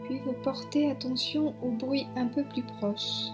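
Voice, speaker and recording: A woman guiding a yoga relaxation meditation as an instructor, giving soothing, unhurried instructions with long pauses. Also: high voice, steady tone. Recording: soft new-age music behind. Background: new-age relaxation music.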